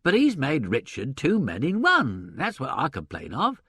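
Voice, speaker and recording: Blunt, gabby older theatre agent, lively up-and-down delivery, pitched above the reader's own voice, colloquial and opinionated, as a man puts him on in an audiobook. Dry, close recording with no room sound. A male narrator voices him. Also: moderate pace, breathy edge, no echo, full character voice. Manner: colloquial, drops grammar, chuckles, opinionated. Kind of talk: audiobook character reading.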